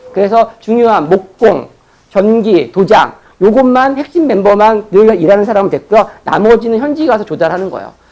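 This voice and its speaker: A man's high-pitched voice with lively intonation, against noticeable background noise. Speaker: franchise consultant lecturer. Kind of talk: lecture. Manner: fast.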